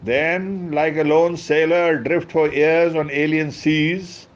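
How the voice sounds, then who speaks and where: Higher-pitched South Asian man reading aloud, muffled sound. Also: slow pace. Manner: expressive, mixes Hindi asides into English. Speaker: storyteller, book reader. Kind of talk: dramatic book reading with informal commentary. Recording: dull, lo-fi sound.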